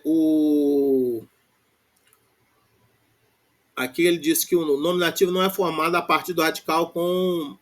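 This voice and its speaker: A man with a Brazilian Portuguese accent teaching a Greek grammar lesson, reciting word forms slowly and then explaining in quick bursts, often tagging "né?". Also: fairly high pitch, fairly bright tone.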